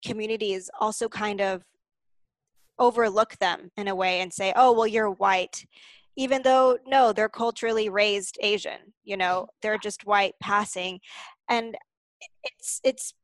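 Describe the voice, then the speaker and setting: A woman's voice: mid-range voice, fairly even intonation, a little slow, no echo, poor audio. Woman asking questions, easygoing chat, dry close sound, mid voice. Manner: asks questions, encouraging back-channel replies. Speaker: interviewer. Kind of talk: casual interview chat.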